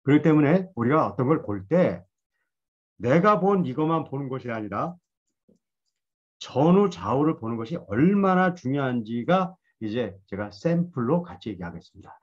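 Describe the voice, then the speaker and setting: Husky guy teaching a bible class, voice jumps around a lot, muffled lo-fi audio. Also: medium pitch, a little mellow. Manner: conversational, self-deprecating storytelling. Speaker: Bible study lecturer. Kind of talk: Bible lecture.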